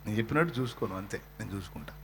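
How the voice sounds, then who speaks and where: A man's voice: on the low side, expressive, racing, in a large hall. A man preaching a sermon as a pastor, emphatic and repetitive, often acting out a comforting parent's words. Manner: emphatic, repeats phrases, voices comforting parent. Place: church.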